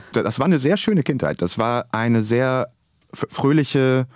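Male guest in his forties, stutters, low-pitched, close dry studio sound. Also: dry recording. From Bremerhaven, Germany. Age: 40s. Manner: stuttering, reflective. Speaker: author and journalist guest. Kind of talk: radio interview.

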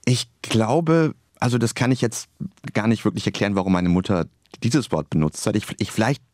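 Stuttering man, low dry voice. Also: moderate pace, a little mellow, dry recording. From Bremerhaven, Germany. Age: 40s. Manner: stuttering, reflective. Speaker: author and journalist guest. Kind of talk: radio interview.

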